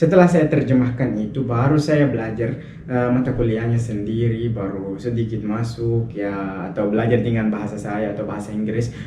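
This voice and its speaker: Audible room echo and noticeable background noise surround a man speaking at a moderate pace in a medium pitch. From Sudan. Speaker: international student vlogger. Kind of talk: personal vlog. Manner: halting, many fillers and restarts.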